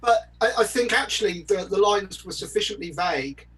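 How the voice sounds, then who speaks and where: A man's voice: sits high, expressive, brisk, fairly bright tone, slightly rough, recorded from a distance, low-quality recording. A man speaking in a casual discussion as a panelist, articulate and wry. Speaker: podcast panelist.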